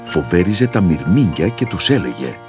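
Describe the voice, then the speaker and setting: Deep male narrator for a kids' storybook, animated and expressive. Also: music in the background.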